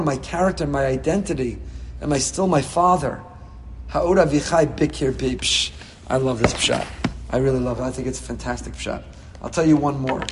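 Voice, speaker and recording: A man giving a Torah class as a rabbi, reading Hebrew texts and explaining them with passion, swinging between soft and loud. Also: on the high side, long reverb tail, slight background noise. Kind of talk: Torah class on the weekly portion.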